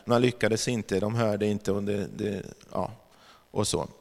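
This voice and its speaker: A man sharing a spiritual testimony in a sermon-like talk, telling the story reflectively with pauses and fillers. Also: fairly low pitch, steady tone, creaky, darkish tone. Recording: long hall reverb.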